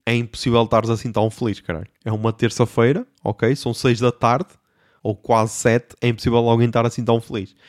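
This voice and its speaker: A young man with a European Portuguese accent hosts a podcast, telling a comic story in a slangy, exasperated monologue full of swearing. His mid-range voice is brisk and fairly flat in pitch, recorded with studio quality and no echo.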